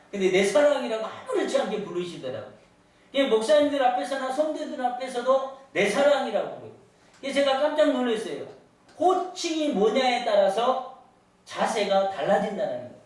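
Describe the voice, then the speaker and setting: A male pastor preaching a sermon to his congregation, telling stories and asking them questions. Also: high-pitched. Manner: storytelling with rhetorical questions to the congregation. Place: large church sanctuary. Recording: echoey church hall, voice from far off.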